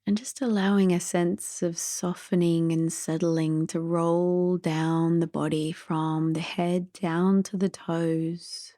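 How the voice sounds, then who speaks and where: A woman gently guiding a sleep meditation in a soothing, soft and breathy voice that drifts toward a whisper. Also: fairly low pitch, level tone, slow pace, few pauses, dry recording, clean studio sound. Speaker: meditation guide.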